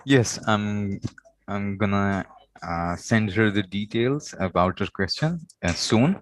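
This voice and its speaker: A man's voice: fairly low pitch, slow pace, dry recording. A man from Pakistan, speaking briefly and hesitantly as a helper on a video call. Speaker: class helper. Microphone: computer mic on a video call.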